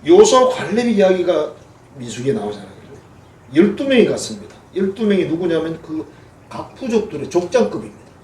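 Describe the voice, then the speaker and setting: Preaching with a Gyeongsang Korean accent, this pastor keeps his sermon folksy and funny, voicing the people he quotes. His voice runs on the high side with big pitch swings, brisk and a little mellow, echoing through a church sanctuary from a distant mic.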